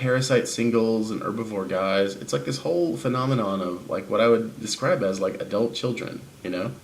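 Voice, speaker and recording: Over noticeable background noise, a man talks with hardly any pauses and ordinary pitch variation. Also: medium pitch for a man, fairly quick pace. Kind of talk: casual talk to camera.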